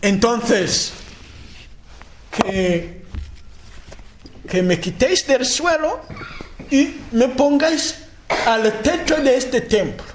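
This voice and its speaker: High-voiced African preacher, halting. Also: male voice, expressive, a little hiss or hum. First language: a language of his homeland. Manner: halting, repeats and restarts words, asks listeners with "¿eh?" and "¿mm?"; chanting repeated proclamations with rising pitch. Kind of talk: sermon.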